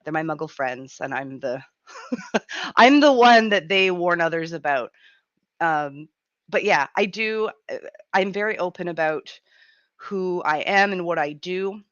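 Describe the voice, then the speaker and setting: Raspy woman with a head cold. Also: fairly low pitch, expressive, measured pace, pauses often, fairly bright tone, no room sound, muffled recording. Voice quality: raspy, grumbly. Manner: chatty, laughs often, many fillers. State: has a cold, gruff throat. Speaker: radio show host. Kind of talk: casual live-stream chat.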